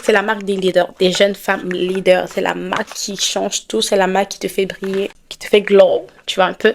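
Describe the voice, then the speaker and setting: A woman's voice: medium pitch, slight background noise. A young adult woman, chatting straight to camera in a casual vlog and promoting her products. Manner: chatty, keeps asking "ok?".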